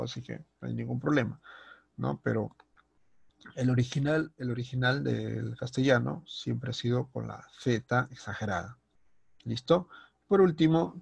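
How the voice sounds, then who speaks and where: A man's voice: medium pitch, creaky, slightly rough, no echo. A man with a Latin American Spanish accent teaching a spelling lesson, reading out example words and often checking in with his class. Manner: lists example words slowly, stressing the sounds. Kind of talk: recorded online spelling lesson.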